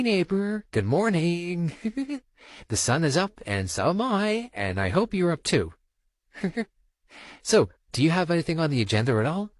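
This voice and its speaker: A performer voicing an affectionate male puppet neighbor who talks to the listener in a gentle, flirtatious way, lingering on words. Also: mid-range voice, dry recording, studio quality. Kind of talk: in-character roleplay addressed to the listener.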